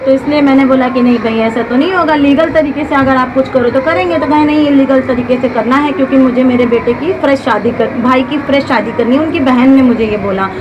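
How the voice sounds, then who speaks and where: A woman's voice: high-pitched, a little fast, few pauses, dull audio. A young woman with a Bhojpuri-tinged Hindi accent gives candid, emphatic interview answers as a guest, often using rhetorical questions. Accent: Bhojpuri-influenced Hindi. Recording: loud background noise, vehicle sounds.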